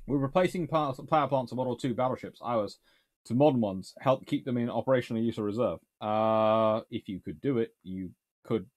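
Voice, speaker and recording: A British man in his thirties hosts as a naval historian, chatting casually from a home study lined with books. His mid-range voice is fairly quick and a little mellow, with dry, wry asides and sudden bursts of enthusiasm as he reviews books and answers questions.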